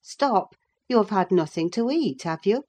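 A brisk, warm-hearted housekeeper chatters in a lifted, lively voice, as a woman reader puts her on. She welcomes and fusses in a storybook reading. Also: medium pitch, pitched above the performer's own voice. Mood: welcoming. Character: brisk, kindly middle-aged housekeeper woman.

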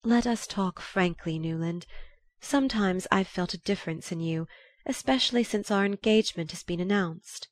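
A woman voicing a composed, dignified young society woman who speaks softly and earnestly. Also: mid-range voice, moderate pace, no room sound, studio quality, lightly acted.

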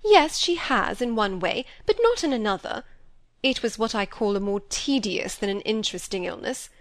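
A woman reads as a fretful middle-aged stepmother in a spoken storybook, fussing and complaining in a lively, nagging way, pitched a little above the reader's own voice. The sound is dry and close, with no room around it. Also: moderate pace, no room sound, natural voice. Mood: peevish. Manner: complaining, talks over others. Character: fussy self-pitying middle-aged stepmother.

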